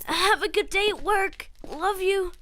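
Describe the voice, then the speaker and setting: A sweet young boy, acted by a woman, with a high voice and slow delivery. He is an affectionate little brother in an audio drama. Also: sharp tone, a little hiss or hum, exaggerated voice. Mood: cheerful, loving.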